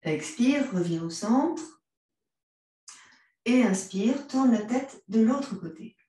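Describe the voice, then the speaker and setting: A woman with a French accent, gently guiding a yoga class with calm cues. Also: on the high side, takes it slowly. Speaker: yoga instructor. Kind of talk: guided yoga class instruction. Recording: very echoey room, voice from a distance.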